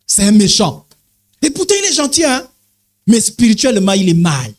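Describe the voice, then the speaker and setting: A man preaching an animated sermon as an apostle, exclaiming and calling "amen, amen" to the congregation, swinging his pitch up and down for emphasis. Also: moderate pace. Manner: swings sharply between high and low pitch for emphasis.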